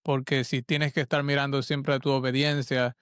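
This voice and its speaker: A man's voice: medium pitch, flat delivery, moderate pace, fairly bright tone, clear, resonant tone, no room sound, studio quality. A man hosting a podcast interview, reflective and stammering at the starts of thoughts. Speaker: podcast host. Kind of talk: conversational interview.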